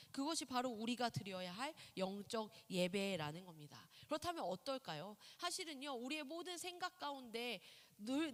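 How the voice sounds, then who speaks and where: A woman's voice: on the high side, fairly bright tone. A woman pastor giving a sermon in a conversational style, asking the listeners questions. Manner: conversational preaching with rhetorical questions; acts out quoted voices. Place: church sanctuary. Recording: long hall reverb in a church.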